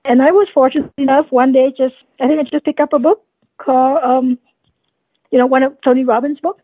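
A woman in her fifties from Vietnam, a guest telling her story in an earnest, reflective way, often pausing with "you know.". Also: high-pitched, fairly even intonation, dark tone, breathy edge, dry recording, poor audio. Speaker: guest, dentist and coach. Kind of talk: casual podcast interview.

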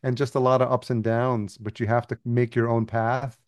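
A man's voice: mid-range voice, level tone, moderate pace, no echo, studio quality. A man from El Salvador, a podcast agency founder, telling his story as a guest in a casual interview and laughing easily.

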